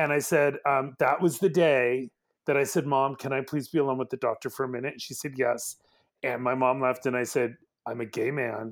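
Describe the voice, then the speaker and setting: On a very clean recording with a silent background, a man with a normal speaking voice talks at a moderate pace with fairly even intonation. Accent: American. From Northern California (Walnut Creek). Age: 50s. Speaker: podcast guest, LGBTQ community member. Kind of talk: casual chat.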